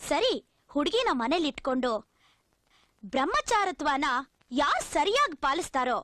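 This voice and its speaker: A pleading young orphan, high-pitched. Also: female voice, big pitch swings, moderate pace, a bit bright, dry recording, clean studio sound. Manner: pleading, teasing. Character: young woman, orphaned, pleading yet cheeky. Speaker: orphaned young woman seeking shelter. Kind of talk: film dialogue.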